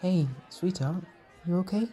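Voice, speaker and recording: Guy acting as a soft caring boyfriend caretaker type, mellow warm voice, coaxing n reassuring, music and chatter behind him. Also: high-pitched, unhurried. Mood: tender, soothing. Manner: tender, reassuring, coaxing with pet names. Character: gentle, doting male caretaker soothing an overwhelmed partner. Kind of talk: roleplay comfort audio.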